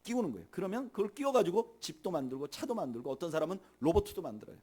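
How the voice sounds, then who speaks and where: A middle-aged man preaching from the pulpit, his fairly high voice swinging widely in pitch. He builds to loud emphasis, then falls soft, and leads his listeners in reading aloud together. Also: very animated, racing, slightly rough. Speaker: pastor. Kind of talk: sermon.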